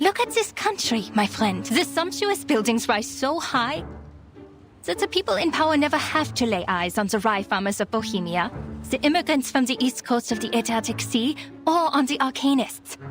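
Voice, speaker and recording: An actress playing a proud, defensive woman psychiatrist in a video game, with a dry, sarcastic and dramatic manner. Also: a little high. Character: weary, defensive Viennese woman psychiatrist, proud, wry arcanist. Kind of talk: video game story voice acting. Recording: music under the voice.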